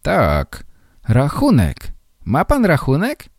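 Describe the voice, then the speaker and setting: A man voicing a scruffy, hungover male photographer who turns indignant and accusing, in a slow read-aloud story for learners. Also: on the high side, huge pitch swings, a little mellow, dry recording, clean studio sound, pitched above the performer's own voice, exaggerated voice. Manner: indignant, then shrieking accusations.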